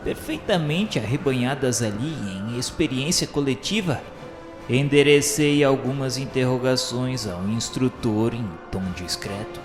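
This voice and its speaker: A Brazilian man voicing an earnest, awed spirit disciple who narrates a radio drama in solemn, measured, literary phrases. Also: mid-range voice, lightly acted. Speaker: narrator and protagonist. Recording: echoey hall reverb under prominent music.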